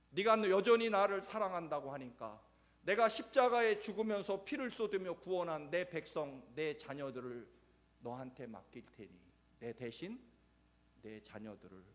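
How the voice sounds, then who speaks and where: A pastor voicing a soft, forgiving Jesus. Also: male voice, mid-range voice, close to an everyday voice. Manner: soft, hushed and reassuring. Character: Jesus, gentle forgiving man speaking softly.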